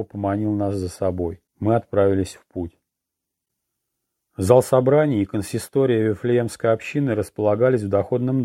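A man reading a detective novel as an audiobook narrator in a measured, even manner. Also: lowish voice, no echo, studio quality. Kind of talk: scripted narration.

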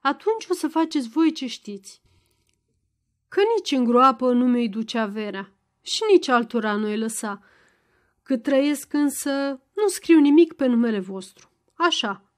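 A woman voicing a stubborn, crafty old peasant father-in-law who speaks in a loud, gruff, mocking way. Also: sits high, lightly acted. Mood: angry, stubborn.

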